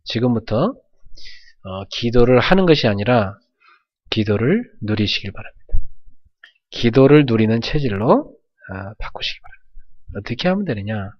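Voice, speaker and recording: A man's voice: medium pitch, big pitch swings, moderate pace, pauses often, muffled recording. A man preaching a sermon as pastor, in an earnest, conversational way with emphatic swells.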